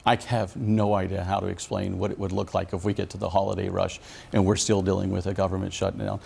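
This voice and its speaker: Gravelly, low-voiced American man. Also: little pitch movement, fast talker, a little mellow. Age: middle-aged. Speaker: union leader representing air traffic controllers. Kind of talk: formal news interview answers.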